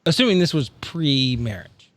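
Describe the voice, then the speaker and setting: A male player in a tabletop game talks casually in character. He is wry and halting, rambling through his thoughts at a middling pitch, recorded very dry. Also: big pitch swings, no echo. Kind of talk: casual improvised role-play in an everyday voice.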